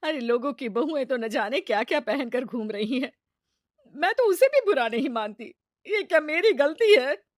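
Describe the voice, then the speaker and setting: A woman voicing a kind middle-aged mother-in-law who speaks softly and gently. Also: mid-range voice, expressive, unhurried, dry recording, studio quality. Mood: troubled.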